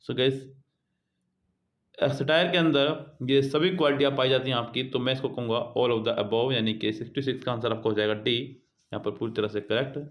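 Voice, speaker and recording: A male teacher with a mid-pitched voice works through exam questions for his students. He reads each question aloud slowly, then explains the answer in a conversational tone and keeps calling out to the class. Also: steady tone. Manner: keeps addressing students as "guys" and "children". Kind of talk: exam prep lesson, reading questions aloud.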